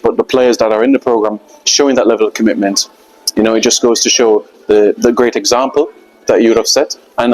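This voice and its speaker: Male interviewer, mid-pitched, effusive and conversational. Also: poor audio. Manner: warm, effusive praise. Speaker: interviewer, host. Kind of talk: casual interview chat.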